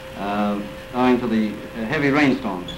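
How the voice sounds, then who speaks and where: Noticeable background noise is present throughout. A man talks over it at a moderate pace. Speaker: flight navigator. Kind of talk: newsreel interview answer.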